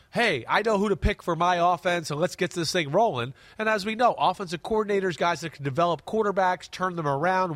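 A man's voice: high voice, a bit bright, no room sound. A man with a stuffy, congested voice, co-hosting a casual football chat and talking emphatically, tagging "right?" onto his points. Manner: emphatic, repeats words, asks "right?". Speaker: podcast co-host. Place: studio desk close to co-host.

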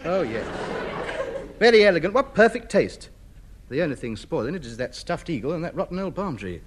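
A man's voice: a little high, big pitch swings, a little fast, husky. An actor playing an indignant, pleading man turned junk collector in a 1950s radio comedy, with a whiny, exasperated delivery. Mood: wheedling. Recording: old radio recording with surface noise.

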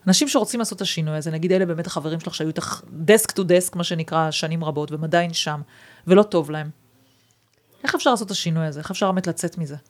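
A woman hosting a casual podcast interview, talking emphatically and expressively, with her pitch jumping when she makes a point. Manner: emphatic, expressive, pushes opinions with big pitch jumps. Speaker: podcast host.

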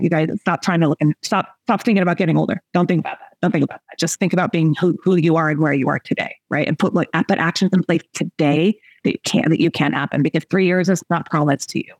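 A woman's voice: on the low side, darkish tone, dry recording. A woman in her forties giving a motivational coaching talk to a group, chatty and emphatic, laughing often and speaking straight to her listeners. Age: 40s. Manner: chatty, laughing, emphatic, addresses audience directly. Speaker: coach and host.

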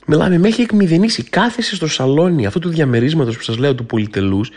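Man telling a comic story. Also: fairly high pitch. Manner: animated storytelling, acts out inner voices. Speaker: podcast host. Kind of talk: comic monologue.

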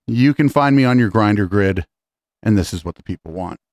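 A man with a hoarse voice hosting a live-streamed show in a relaxed, casual way, clearing his throat now and then. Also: fairly low pitch, a little fast. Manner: relaxed, loose delivery with fillers. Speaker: podcast host. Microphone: studio microphone.

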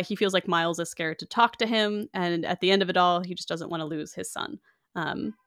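A woman's voice: medium pitch, fairly bright tone, no room sound. Woman podcast host, chatty plot recaps with fillers, dry close sound. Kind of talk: casual movie recap chat.

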